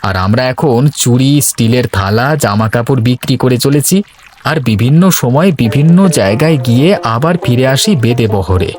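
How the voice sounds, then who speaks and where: A man playing a reflective, contented sixty-year-old boat-dwelling river gypsy in a cartoon, talking in a measured way. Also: mid-range voice, a little mellow, close to an everyday voice. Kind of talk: cartoon dialogue acting.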